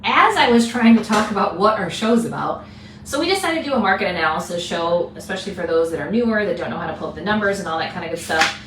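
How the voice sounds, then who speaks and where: A woman's voice: lowish voice, animated, fast. A woman co-hosting a casual chat show, chatty and teasing, laughing easily. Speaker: co-host, real estate agent. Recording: echoey room, mic at a distance, faint hiss.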